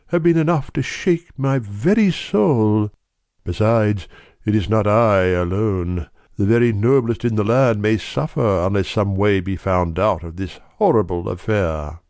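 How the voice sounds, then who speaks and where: A man's voice: on the low side, animated, a little slow, darkish tone, dry recording. A man voicing a distraught, dignified middle-aged banker pleading his case earnestly. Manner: agitated, earnest, breathless pleading.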